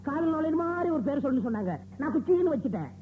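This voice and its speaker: An actor playing a naive, simple-minded barber's helper who answers back with innocent, silly remarks, in film audio taken from an old cassette tape. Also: male voice, very high voice, sing-song, racing, warm tone, a little hiss or hum, rough recording. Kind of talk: 1990 Tamil film comedy dialogue from cassette.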